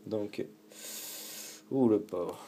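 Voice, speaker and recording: Chatty low-voiced French man. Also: slow pace, creaky, dark tone, a little hiss or hum. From France. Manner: chatty, rambling, self-correcting, casual swearing. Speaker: tutorial host. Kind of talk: casual tech tutorial.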